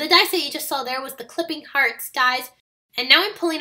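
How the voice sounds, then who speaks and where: Using a raised, projected voice, a woman talks at a very fast pace in a high pitch with ordinary pitch variation. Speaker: card-making crafter. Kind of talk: tutorial voiceover.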